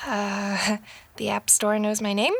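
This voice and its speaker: Wry, slow-talking young woman. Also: medium pitch, level tone, creaky, a little hiss or hum. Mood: wry, surprised. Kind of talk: audio drama acting. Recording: very loud music behind the voice.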